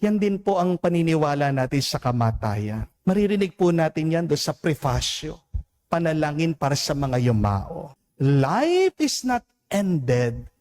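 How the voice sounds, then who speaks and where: A Filipino priest giving a homily, preaching slowly and deliberately, drawing out English phrases and asking his listeners "Amen?". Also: on the high side, expressive, darkish tone. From Philippines. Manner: slow, deliberate preaching with emphatic rises and drawn-out English phrases; addresses listeners as "mga kapatid" and asks "Amen?".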